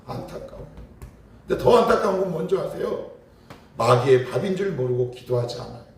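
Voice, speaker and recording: A man's voice: fairly high pitch, lively intonation, a little fast, darkish tone. A man, a pastor, preaching a morning prayer sermon, emphatic and full of rhetorical questions to his congregation. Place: church sanctuary. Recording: very echoey hall, mic far off, faint noise.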